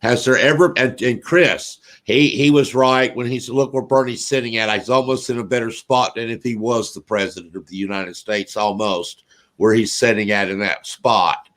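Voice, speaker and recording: A man's voice: mid-range voice, fairly even intonation, moderate pace, fairly bright tone. A man with a Southern drawl from North Carolina, hosting a casual political talk radio show in a rambling, folksy way with many fillers.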